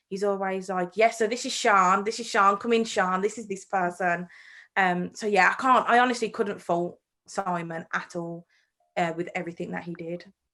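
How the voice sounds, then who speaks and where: With a Birmingham accent, a woman's bright, sharp tone carries fairly even intonation against a quiet background. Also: medium pitch for a woman, moderate pace. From England, Birmingham. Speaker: radio documentary maker, prize winner. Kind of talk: interview.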